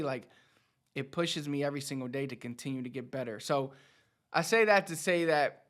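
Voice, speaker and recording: A man's voice: mid-range voice, fairly bright tone. A man in his thirties talking casually and motivationally to his audience as a teacher, conversational, repeating words for emphasis. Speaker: Spanish teacher and channel host. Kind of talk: casual motivational talk to camera.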